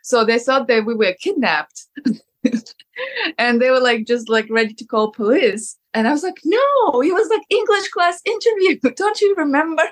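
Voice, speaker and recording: A woman from Ukraine with a Ukrainian accent, an actress telling lively stories in an interview, often saying "like". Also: sits high, normal speed. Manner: lively storyteller, laughs often, many "like"s. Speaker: actress, guest. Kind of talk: casual interview.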